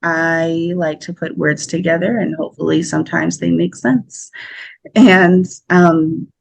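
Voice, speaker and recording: On a podcast, a young actor from the United States talks in a relaxed, lively interview, laughing frequently and leaning on fillers. Her voice is lowish with vocal fry, her tone steady, her pace a little slow.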